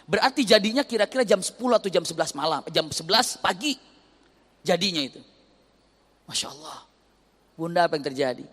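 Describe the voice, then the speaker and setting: Man preaching, lively storytelling, slightly high voice, long hall echo. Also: brisk, pauses often. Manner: animated storytelling, acting out dialogue voices. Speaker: Islamic preacher. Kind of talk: sermon with acted stories.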